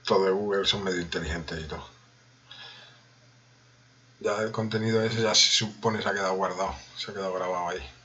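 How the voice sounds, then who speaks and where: A man's voice: low-pitched, steady tone, brisk, long pauses, pushed and bright, breathy edge, highs cut off. A man with a Spain Spanish accent giving a joking running commentary to himself during a casual live coding stream.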